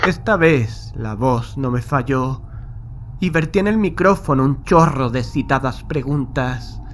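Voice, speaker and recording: A man's voice: medium pitch, animated, a little slow, close to an everyday voice. A haunted man from played by an actor tells his horror tale in a mid-range voice. His delivery is grave, literary and anxious, over a faintly noisy night backdrop. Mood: haunted dread. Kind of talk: first-person horror audiobook narration. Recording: faint night ambience behind the voice.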